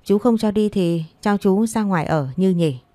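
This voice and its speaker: A woman voicing a cheeky, pushy young man in his twenties who needles everyone in quick banter in a storybook. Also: medium pitch, mellow, dry recording, natural voice. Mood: teasing. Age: 20s.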